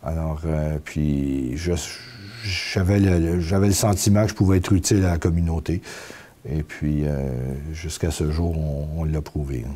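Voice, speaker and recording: A middle-aged man with a Quebec French accent, answering interview questions conversationally and haltingly, repeating words as he explains. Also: a bass voice, steady tone, mellow. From Canada (Quebec), Belgian-born. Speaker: town mayor being interviewed. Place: council room.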